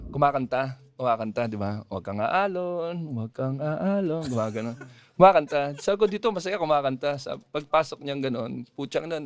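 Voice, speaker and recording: A comedian guest on a podcast rambles through a long joke, acting out the quotes and laughing along the way. His voice is mid-range, with no echo.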